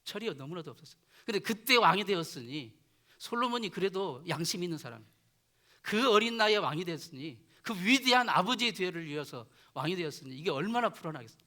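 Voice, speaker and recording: Male pastor, high bright voice, earnest sermon delivery, phrases trailing off soft. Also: lively intonation, fairly quick. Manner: earnest preaching, voice dropping soft at phrase ends. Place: church chapel.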